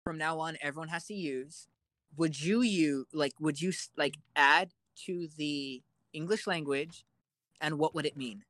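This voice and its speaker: A woman's voice: deep voice, a little slow, a bit bright, no room sound. A young woman co-hosting a casual chat, giggling often and rambling with lots of fillers. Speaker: podcast co-host.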